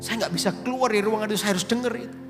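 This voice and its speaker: A middle-aged male pastor, telling a personal testimony in an animated sermon. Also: high voice, rapid-fire. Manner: animated storytelling, drops into Javanese phrases. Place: large church auditorium. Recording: reverberant church hall with music.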